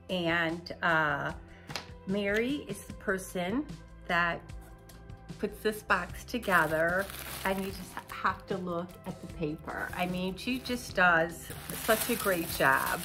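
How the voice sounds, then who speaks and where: An older woman in her sixties, chatting through an unboxing at home, a bit nasal from a cold and rambling with fillers. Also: lowish voice. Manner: chatty, rambling with fillers, seated talking to camera. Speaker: unboxing vlogger. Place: living room at home, indoors.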